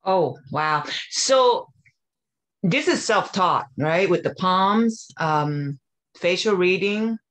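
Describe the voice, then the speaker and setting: Female interview host from Thailand, slightly low voice, casual, effusive and emphatic, on a video call. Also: expressive, slow, fairly bright tone. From born in Thailand.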